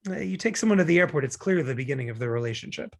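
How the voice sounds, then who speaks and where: Man playing cynical young guy, gravelly and husky, swooping intonation, glib, teasing, opinionated, romantic comedy table read. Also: mid-range voice, lively intonation, rapid-fire. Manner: glib, opinionated, rambling justifications.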